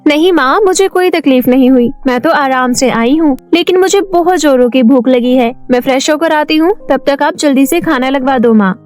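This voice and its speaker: A woman's voice: high voice, moderate pace, few pauses, a little mellow, soft background music, lightly acted. Woman doing a spoiled bossy cartoon daughter. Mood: demanding. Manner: demanding, petulant.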